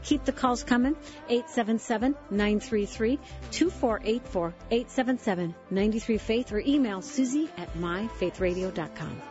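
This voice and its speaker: A woman hosting a Christian call-in radio show, talking in an upbeat, encouraging way; she has a low voice and is coming down with a cold. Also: normal speed, dull audio, over music. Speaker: radio host.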